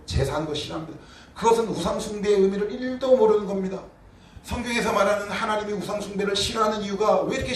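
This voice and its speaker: A man preaching a sermon as pastor, asking his congregation rhetorical questions with emphatic delivery. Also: high-pitched. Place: church sanctuary. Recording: roomy church echo, distant mic.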